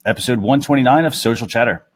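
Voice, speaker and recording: Mid-pitched male talk show host. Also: fast talker. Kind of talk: casual live show presenting.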